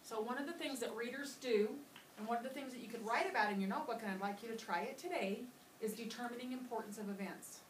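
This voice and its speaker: A woman's voice: a little high, fast talker. A woman teacher gives a patient reading lesson, asking questions and echoing back her pupils' answers. Her voice rings around a roomy classroom, picked up from a distant mic with a faint hum behind her. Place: classroom, indoors.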